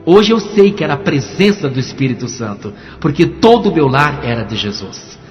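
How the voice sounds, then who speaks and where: A man, a pastor, telling his testimony in a dramatic preaching style that moves between hushed and emphatic. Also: mid-range voice, sing-song, moderate pace. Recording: echoey, dull, music underneath.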